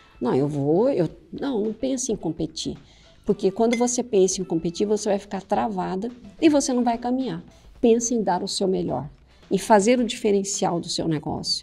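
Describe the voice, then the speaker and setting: At a moderate pace, a woman speaks at medium pitch with lively intonation while faint music plays in the background. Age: 50s. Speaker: women's mentor and speaker; speaker. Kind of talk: interview. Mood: earnest, reflective personal story. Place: studio. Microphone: studio mic.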